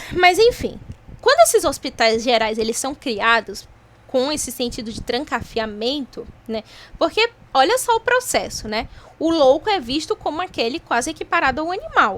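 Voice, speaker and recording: Delivered at a moderate pace, the speech has very wide pitch swings. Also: woman, high pitch for a woman. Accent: Brazilian. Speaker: psychology lecturer. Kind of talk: online class lecture. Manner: animated.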